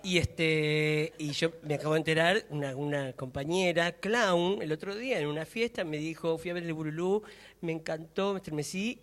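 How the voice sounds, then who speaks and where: A man's voice: fairly high pitch, a bit bright. A man with an Argentine accent in a reflective public conversation about theatre, hesitant and searching for words as he thinks aloud. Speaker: actor and theatre maker. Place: public talk in a hall. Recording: reverberant hall.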